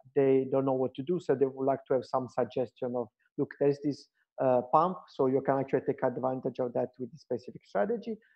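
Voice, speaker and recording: Someone with an Italian accent talks at a fairly quick pace. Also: man. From Italy. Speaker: startup founder. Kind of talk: startup pitch. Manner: hesitant, many fillers.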